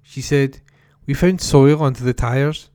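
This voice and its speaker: A man with a mellow, dark-toned voice reads a news report aloud, even and plain. The recording is dry and close. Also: medium pitch, a little slow, clear, resonant tone, dry recording. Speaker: newspaper article reader.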